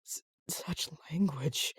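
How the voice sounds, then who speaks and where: A woman voicing a polite, proper young guardsman in a fantasy audio drama, with courteous, measured phrasing. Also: no room sound, close to an everyday voice. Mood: mildly amused.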